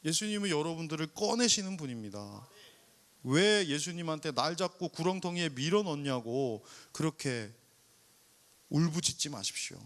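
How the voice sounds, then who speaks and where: A male pastor preaching to a young adults service, animated, firing rhetorical questions and acting out people's complaints and prayers. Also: a little high, normal speed. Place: church worship service.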